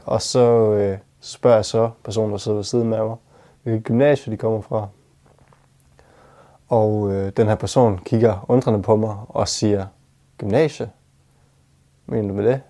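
A young man tells an awkward anecdote at a quick, hesitant clip, with plenty of fillers. His voice is gravelly and full of fry, with a mellow, dark tone. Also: lowish voice. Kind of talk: casual anecdote.

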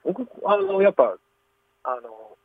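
A man's voice: high voice, animated, takes it slowly. A man, a radio listener, chatting politely over the phone with a show host, affable and talkative. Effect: heard over the phone. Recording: muffled dry phone line.

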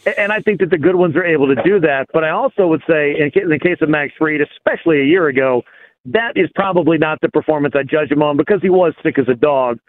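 A man calling in as a guest analyst, laying out his points in a measured, thoughtful way over the phone. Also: a little high. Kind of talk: casual sports talk. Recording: tinny phone line.

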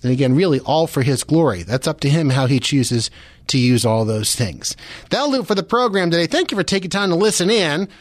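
Higher-voiced man hosting Christian radio. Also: big pitch swings, brisk, dry recording. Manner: earnest, encouraging, explanatory. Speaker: radio host. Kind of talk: conversational Christian talk radio, devotional commentary.

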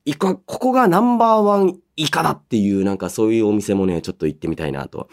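A man in his thirties hosting a radio show, chatting casually and reacting as he goes, in an animated, talkative way. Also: fairly low pitch, fast talker. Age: 30s. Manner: animated, chatty, interjects own reactions while reading. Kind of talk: casual radio chat, reading listener mail and reacting.

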